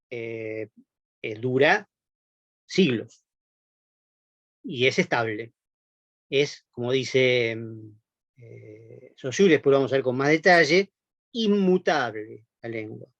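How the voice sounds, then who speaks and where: A man's voice: mid-range voice, no room sound. Dry lo-fi lecture, patient man teaching. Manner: explains patiently, checks in with frequent tag questions and "eh" fillers. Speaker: university lecturer. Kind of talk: recorded class lecture. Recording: dull lo-fi, dry recording.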